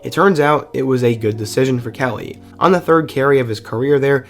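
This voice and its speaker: A man's voice: medium pitch, a little fast, faint music behind. A man hosting a sports video channel, reading a scripted narration in an upbeat, conversational fan tone while getting over the flu. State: recovering from the flu. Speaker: YouTube sports video host.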